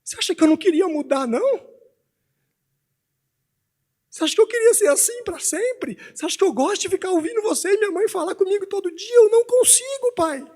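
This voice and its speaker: A man's voice: extremely high pitch, expressive, fairly quick, darkish tone, pitched above the performer's own voice. A man voicing his young son, a tearful boy pleading with his father. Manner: pleading, choked-up.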